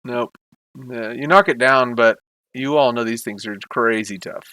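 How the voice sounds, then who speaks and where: A man's voice: mid-range voice, measured pace, sharp tone, low-quality recording. A man narrating a tabletop game as game master, in a casual, laughing, self-deprecating way.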